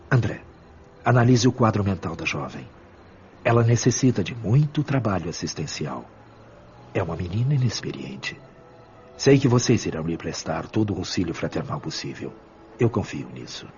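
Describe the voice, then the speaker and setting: A Brazilian actor playing a fatherly, benevolent spirit mentor in a radio drama, speaking in a measured, earnest and solemn way. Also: deep voice, a little mellow. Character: Brother Félix, benevolent superior spirit mentor, fatherly, grave. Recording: dull lo-fi sound with music. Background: background music.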